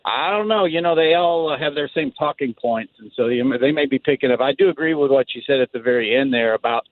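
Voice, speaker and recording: A man's voice: mid-range voice, quick pace, no room sound. A man calling in to a radio show from Dallas, casual and rambling with many fillers. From Dallas, Texas. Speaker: caller. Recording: phone line.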